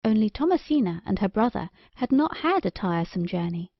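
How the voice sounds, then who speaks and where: A woman's voice: mid-range voice, sing-song, fairly quick, creaky, no echo, highs cut off. A woman reading a children's story aloud as scripted audiobook narration.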